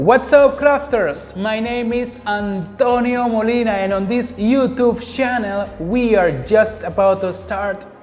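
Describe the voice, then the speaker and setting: Over background music and audible room echo, a man with a Spanish accent speaks very slowly in a high voice with ordinary pitch variation. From Dominican Republic. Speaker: craft teacher, YouTuber. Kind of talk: channel introduction. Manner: animated.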